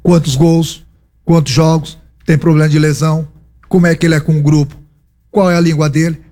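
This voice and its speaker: Faint music plays behind this Brazilian man, a football coach fielding reporters' questions at a press conference in a Brazilian Portuguese accent. He talks briskly in a somewhat high, mellow voice that holds a steady tone. He's emphatic, driving his points home again and again through rhetorical questions.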